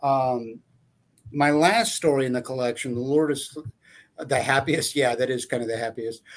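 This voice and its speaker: This man has a normal speaking voice at a medium pitch and a moderate pace. His intonation stays fairly even. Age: 50s. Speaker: author. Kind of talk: casual chat.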